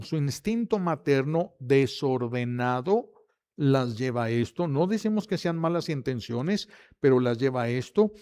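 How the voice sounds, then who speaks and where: Man, priest giving a sermon, lively storytelling, fairly high voice. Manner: animated preacher, acts out family members' voices in quick anecdotes.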